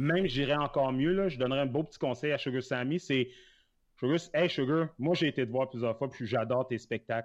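A man speaks at a fairly quick pace in a plain, everyday voice. His pitch is medium with ordinary variation, and the background is quiet. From Quebec. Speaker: podcast co-host. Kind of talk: casual chat. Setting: live stream.

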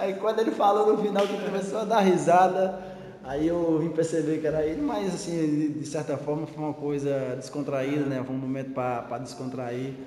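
Noticeable background noise and audible room echo surround a man who talks at a moderate pace with hardly any pauses, in a fairly high pitch with ordinary pitch variation. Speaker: professional footballer. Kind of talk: interview.

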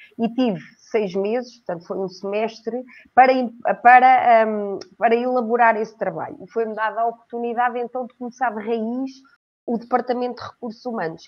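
This is an unremarkable speaking voice, its pitch varying in an ordinary way at a moderate pace. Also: woman. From Portugal, Ourém area. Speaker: HR-trained coach and trainer. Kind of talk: casual interview.

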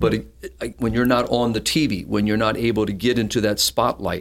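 With vocal fry and a fairly quick pace, the voice sits in a very clean recording with a silent background. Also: man. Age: 50s. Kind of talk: conversational interview. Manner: repetitive, emphatic.

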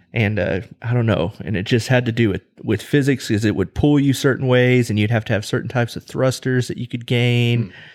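An ordinary speaking voice: a man with an American accent, medium pitch, ordinary pitch variation and hardly any pauses. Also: fairly quick pace, very clean recording, silent background. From Texas. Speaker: parent and gamer. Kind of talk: casual chat. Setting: in someone's home.

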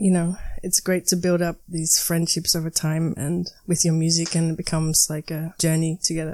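A woman with an Australian accent talks at a moderate pace in a fairly low, monotone voice with flat intonation. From Australia, Melbourne. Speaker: musician. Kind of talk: interview.

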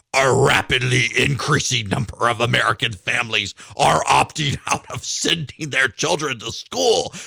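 A man does a raspy, put-on character voice at medium pitch. He keeps a moderate pace with hardly any pauses. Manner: mocking, exaggerated.

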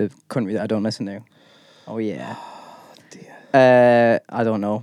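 An ordinary speaking voice at a fairly slow pace, on a very clean recording with a silent background. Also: man. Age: 20s. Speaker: podcast host. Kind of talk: casual chat.

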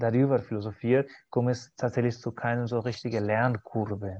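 A man speaks with a non-native accent. His pace is moderate, his pitch medium and his intonation fairly even. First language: not German (speaking German). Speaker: podcast host. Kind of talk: interview. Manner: halting, hesitant.

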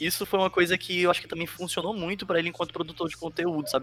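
Speaking at a very fast pace over noticeable background noise, a man keeps a high pitch with fairly even intonation. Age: 20s. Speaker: games podcast host. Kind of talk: casual chat.

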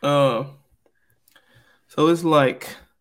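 At a very slow pace, a man talks with a fairly high pitch, a fairly bright tone and fairly even intonation.

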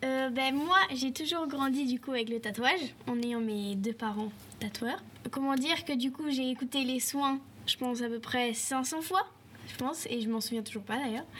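A woman talks in a high pitch with ordinary pitch variation. Her pace is moderate. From France, La Rochelle. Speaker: guest, aspiring writer and tattoo artist. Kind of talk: casual chat.

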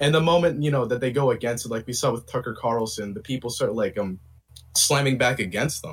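A somewhat breathy man in a medium pitch, with ordinary pitch variation and a fairly quick pace. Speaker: caller. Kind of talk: call-in discussion. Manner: hesitant, lots of 'like'.

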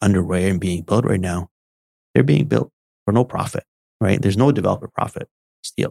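A man talks with a fairly low pitch, ordinary pitch variation and vocal fry. The sound is dry and close, with no echo. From Vancouver area, Canada (moved from Lebanon at 15). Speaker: real estate development executive. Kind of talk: interview conversation. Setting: studio.

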